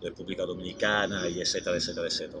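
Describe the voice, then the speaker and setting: A man is speaking. He has an Italian accent. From Italy (Milan). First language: Italian (speaking Spanish). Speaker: chef and restaurant owner. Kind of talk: interview.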